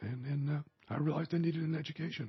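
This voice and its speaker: A somewhat breathy man's voice, fairly high in pitch, at a fairly quick pace. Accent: American. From New York City (Manhattan). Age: 70s. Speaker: Air Force veteran. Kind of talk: casual interview. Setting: at a refurbished missile silo.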